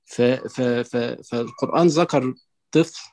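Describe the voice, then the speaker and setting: A man with an Egyptian accent calling in to an online lecture, setting out his view slowly through many fillers and restarts. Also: medium pitch, a little mellow, dry recording. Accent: Egyptian Arabic. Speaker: caller. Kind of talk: call-in question on an online lecture.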